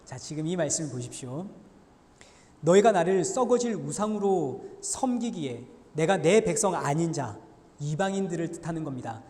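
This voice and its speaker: High-voiced male pastor preaching in echoing hall. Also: moderate pace. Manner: animated, acts out quoted voices with rising force. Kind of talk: sermon. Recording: echoey church hall reverb.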